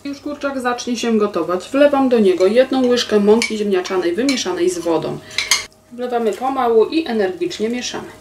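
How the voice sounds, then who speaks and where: Woman, 40s, cooking host; calm step-by-step explainer, recorded at a distance in an echoey home kitchen. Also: on the high side, moderate pace, slight background noise. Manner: calm step-by-step explaining, addresses viewers politely. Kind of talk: recipe instructions. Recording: roomy kitchen echo, voice a bit distant.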